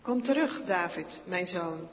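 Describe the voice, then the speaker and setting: A man's voice: high voice, animated, a little slow, a bit bright, big-room sound, exaggerated voice. A man doing a remorseful old king.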